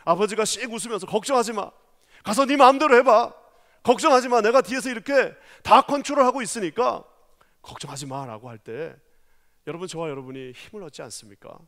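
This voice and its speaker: A male pastor delivers an impassioned sermon in a high-pitched voice that swells and drops for emphasis. The sanctuary carries a long, ringing reverb. He lifts his voice sharply whenever he acts out the words of other people. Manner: impassioned preaching, rising to loud taunting voices for quoted people. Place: large church sanctuary.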